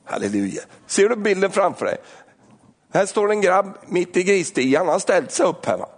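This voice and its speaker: A man preaching an animated sermon, acting out little scenes and asides. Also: high-pitched. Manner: animated, acts out voices and asides. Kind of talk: lively sermon.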